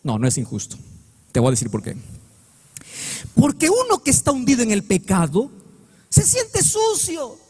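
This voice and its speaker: A man preaching a sermon as pastor, with impassioned delivery that swings from high sung cries to low, drawn-out words. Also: huge pitch swings, darkish tone, husky. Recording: long reverb of a church hall.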